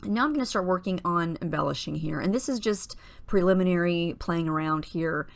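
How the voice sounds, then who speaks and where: Woman with a husky morning voice, narrating crafts. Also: lowish voice, brisk. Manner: chatty and relaxed, with small fillers and restarts. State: husky morning voice, clearing her throat. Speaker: scrapbooking tutorial host. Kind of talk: casual voice-over narration of a craft process.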